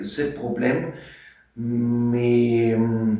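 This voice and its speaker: There is audible room echo as a man speaks with a non-native accent. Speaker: pilgrim walker. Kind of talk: casual chat. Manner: halting.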